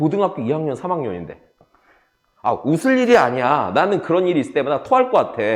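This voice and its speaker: Animated in tone, a man races along at a very fast pace in a high pitch with very wide pitch swings. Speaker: math teacher. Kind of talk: lecture. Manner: casual, animated.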